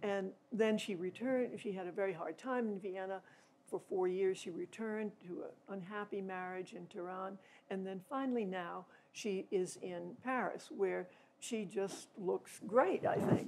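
Over light background noise, the voice moves at a fairly slow pace with ordinary pitch variation. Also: woman. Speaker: photographer. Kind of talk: onstage public conversation. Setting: stage with audience in a theater. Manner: halting, many filler words. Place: stage.

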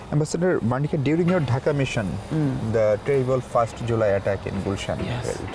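Speaking fairly quickly with hardly any pauses, a man with a Bengali accent uses lively intonation, in a dry sound with no echo and noticeable background noise. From Bangladesh. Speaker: TV talk show host; TV interviewer. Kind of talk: interview. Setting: ambassador's home. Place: garden.

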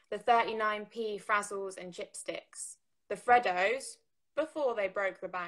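A woman's very slow speech with big swings in loudness and ordinary pitch variation, against a quiet background. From Brighton, southern England; England. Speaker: poet and performer; poet. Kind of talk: spoken word poem performed live over a video call, nostalgic coming-of-age piece. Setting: video call. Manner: rhythmic, vivid performance delivery with wistful, tender pacing; casual, friendly chat between poems. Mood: nostalgic, expressive. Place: home room. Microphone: phone near.

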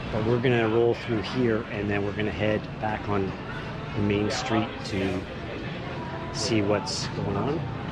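Fairly slow speech with long, frequent pauses, a dry sound with no echo, and loud background noise. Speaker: walking tour guide and channel host. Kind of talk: narrated walking tour, pointing out shops and streets while strolling. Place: street. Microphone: phone near.

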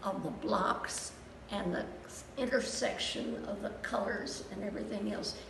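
A woman with an American accent talks at a fairly slow pace over noticeable background noise. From Iowa, USA. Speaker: quilt artist. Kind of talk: interview answer. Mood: proud, reflective. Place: hall. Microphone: camera far.

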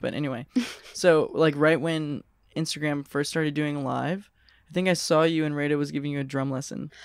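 Speaking at a fairly quick pace and fairly high pitch, a man keeps his intonation fairly even, with a dry sound with no echo and a quiet background. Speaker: podcast host. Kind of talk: casual interview conversation. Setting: on location at guest's place. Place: studio. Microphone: studio mic.

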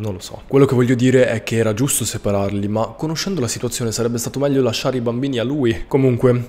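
A man's animated, very fast speech with ordinary pitch variation. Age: 20s. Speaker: true crime YouTuber. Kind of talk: storytelling narration. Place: home room. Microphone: studio mic.

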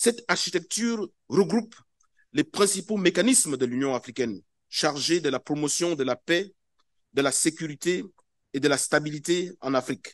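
Against a quiet background, a man speaks at a moderate pace with lively intonation and long, frequent pauses. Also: fairly high pitch for a man, dry sound with no echo. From Gabon. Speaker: ambassador and diplomat. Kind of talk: formal lecture to a seminar. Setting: seminar room with simultaneous interpreters. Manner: formal. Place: hall. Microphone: podium.

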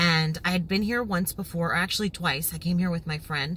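A woman with an unremarkable speaking voice talks at a fairly quick pace and fairly low pitch with ordinary pitch variation, in a dry sound with no echo over light background noise. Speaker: vlogger. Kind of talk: casual vlog chat. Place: car. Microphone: phone near.

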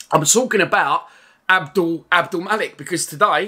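Against a quiet background, a raised, projected voice with a bright, sharp tone moves at a moderate pace with ordinary pitch variation. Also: man. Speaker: football fan vlogger. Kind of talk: casual vlog commentary. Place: home room. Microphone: phone near.

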